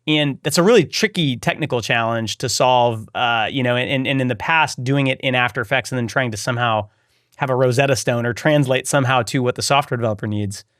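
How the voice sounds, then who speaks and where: 40s guy hosting a podcast, dry close boom mic, curious and animated. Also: brisk, no echo. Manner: curious, animated, gestures while talking. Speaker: podcast host. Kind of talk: casual interview talk. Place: home studio room. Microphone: studio mic on a boom arm.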